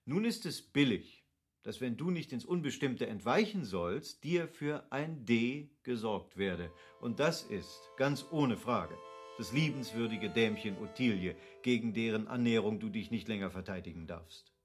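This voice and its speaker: An actor playing a cultivated, persuasive nobleman in a radio drama, speaking in a formal, deliberate, eloquent way. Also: mid-range voice, animated, soft background music, close to an everyday voice. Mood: playful, teasing. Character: cultivated, persuasive country nobleman explaining at length. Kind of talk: classic German radio drama acting.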